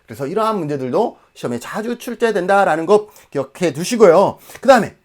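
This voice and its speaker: Animated high-pitched man lecturing. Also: brisk. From Jeju Island, South Korea. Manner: emphatic, asks rhetorical questions and answers them. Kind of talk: exam-prep lecture.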